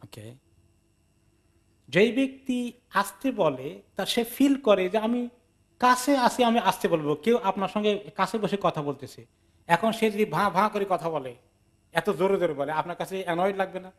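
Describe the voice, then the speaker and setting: A man's voice: sits high, expressive, moderate pace, long pauses. A man explaining Quran commentary in a conversational sermon, acting out little dialogues and mixing in English words. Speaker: Islamic teacher giving Quran tafsir. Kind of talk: sermon-style lecture with acted anecdotes.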